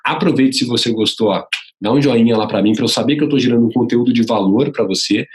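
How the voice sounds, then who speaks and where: A man with a Brazilian Portuguese accent teaching vocal technique to aspiring sports journalists in a casual, lively way, swinging his pitch up and down to demonstrate emphasis. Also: quick pace. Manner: addresses viewer directly, casual and instructive. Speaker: journalism coach.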